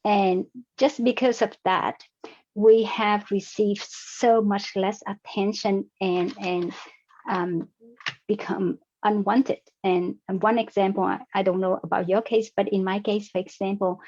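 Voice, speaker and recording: Slow-spoken woman. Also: mid-range voice, steady tone, darkish tone. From Vietnam. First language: Vietnamese. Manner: slow and careful, explaining step by step. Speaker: EFT practitioner. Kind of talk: online workshop presentation. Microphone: video call. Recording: dull lo-fi video call audio.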